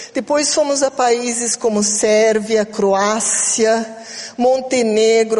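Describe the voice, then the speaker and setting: A woman speaks in a strong Curitiba accent, her pitch fairly high and her intonation fairly even. Noticeable background noise sits behind her. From Brazil, Curitiba. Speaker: missionary, pastor's wife. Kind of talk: church testimony. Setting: church.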